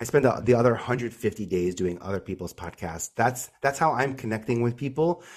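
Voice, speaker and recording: A man's medium-pitched voice with an American accent, lively intonation, a fairly quick pace and hardly any pauses. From Staten Island, New York. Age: 40s. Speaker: media brand strategist. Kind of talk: interview.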